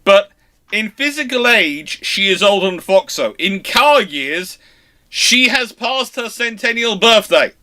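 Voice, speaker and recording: A British man hosting a live question-and-answer stream on naval history, chatting casually and teasing a co-host, with loud animated bursts of emphasis. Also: high-pitched, measured pace. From Britain. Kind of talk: live Q&A chat.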